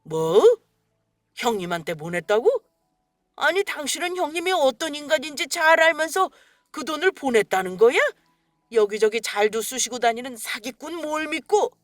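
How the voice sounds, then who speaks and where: A stern middle-aged husband scolds his wife harshly in a story radio drama, played by a woman. The voice sits high and moves a lot, and the recording is dry and close. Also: animated, normal speed, no echo, faint music behind. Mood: angry.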